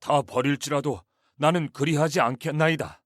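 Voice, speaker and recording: A man's voice: on the high side, fairly even intonation, moderate pace, no echo, studio quality, lightly acted. An actor in an audio Bible drama playing an earnest, impulsive grown male disciple who speaks insistently.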